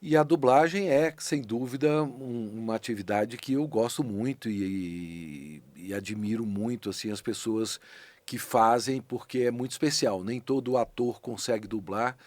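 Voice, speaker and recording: Rich: A middle-aged Brazilian man in a podcast studio, talking about his craft as a guest with animated emphasis and frequent restarts. His voice sits at a mid pitch. It is recorded dry and close. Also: measured pace, no room sound. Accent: Brazilian Portuguese. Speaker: voice actor and dubbing director, guest. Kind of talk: casual conversational interview.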